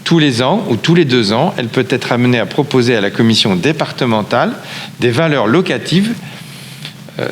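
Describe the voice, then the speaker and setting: A man's voice: medium pitch, lively intonation, moderate pace. A man chairs a council meeting, explaining formally with hesitant, repeated phrasing. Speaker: local official chairing a town council meeting. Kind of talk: formal council presentation, semi-improvised. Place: large echoing meeting room. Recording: reverberant hall, background noise.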